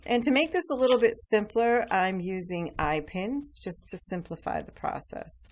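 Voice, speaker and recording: A woman's voice: medium pitch, expressive, normal speed. A woman hosting a jewelry-making tutorial, chatting casually as she shows each step with her hands at a craft table. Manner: chatty, explains while working with her hands. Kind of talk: relaxed step-by-step craft demonstration.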